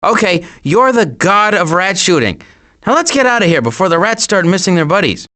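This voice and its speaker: Cautious turtle worrier for an animated game: exasperated, wry, highly varied intonation. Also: male voice, moderate pace, full character voice. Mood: wry, fretful. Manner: fretful, wry grumbling. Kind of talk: animated video game voice acting.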